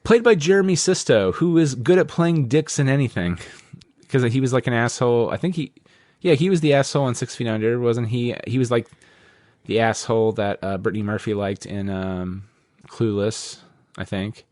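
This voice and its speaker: A man's voice: mid-range voice, normal speed, a little mellow, no room sound, studio quality. A man hosting a podcast, chatting casually in a rambling way, full of "like" and the odd swear word. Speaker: podcast host.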